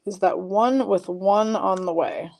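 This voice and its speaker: At a measured pace, a woman with a mid-range, slightly mellow voice and noticeable vocal fry hosts a live card break. She reads card names and teams aloud and chats casually with viewers, her voice a touch froggy.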